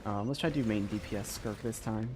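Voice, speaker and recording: A man's voice: fairly low pitch, fast talker. A man streaming a video game, giving casual live commentary and thinking aloud as he plays. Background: game music.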